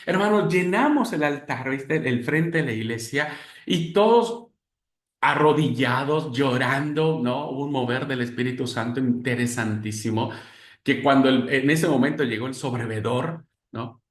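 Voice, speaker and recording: A man teaching a class on preaching, telling a church story with lively, conversational warmth and tag questions like "¿viste?". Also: mid-range voice, moderate pace, echoey room. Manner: animated storyteller, frequent "¿viste?" and "hermanos". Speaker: preaching instructor. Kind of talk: homiletics class with a personal story.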